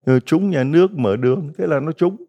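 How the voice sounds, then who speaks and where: A man's voice: a little high, fairly quick, dull audio. A middle-aged man, a Catholic priest, giving a folksy retreat homily full of stories and rhetorical questions to the congregation.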